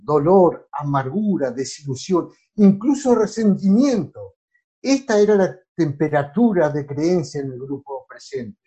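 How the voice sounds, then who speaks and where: A man's voice: high voice, mellow. A man preaching a sermon, reading Bible verses aloud and breaking in with emphatic exclamations. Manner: emphatic, exclaiming, asks listeners to read verses.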